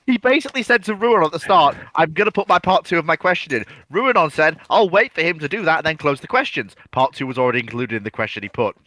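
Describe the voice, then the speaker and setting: A man's voice: on the high side, sing-song, fast talker, hardly any pauses, bright, forceful tone. A man chatting casually as a panelist on a live stream, bantering with the others.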